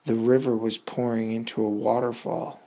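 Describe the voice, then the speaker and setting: A woman's voice: rumbling low, flat delivery, moderate pace, warm tone, poor audio. A woman telling a suspenseful bedtime story for children in a dramatic, improvised way, repeating words for effect.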